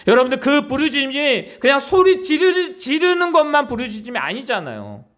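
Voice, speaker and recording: A man's voice: very high-pitched, sing-song, normal speed, a bit bright. A man preaching a Sunday sermon as pastor, pleading and emphatic, often asking his congregation questions. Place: church.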